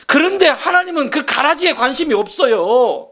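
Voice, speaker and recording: A middle-aged male pastor delivers a lively sermon in a high, gravelly voice that swings widely in pitch. He repeats his points for emphasis, moving from loud bursts down to hushed whispers. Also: normal speed. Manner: animated, repetitive, jumps between shouting and whispering.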